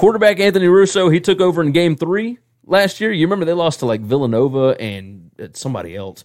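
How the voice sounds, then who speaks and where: A man with a Southern US accent, very wide pitch swings and a fairly quick pace, on a very clean recording with a silent background. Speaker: podcast host. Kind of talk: casual banter.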